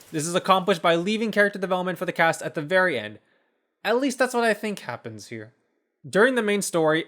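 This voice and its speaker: A man's voice: sits high, fairly bright tone. A man reading a scripted review narration as the host. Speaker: video game reviewer and host.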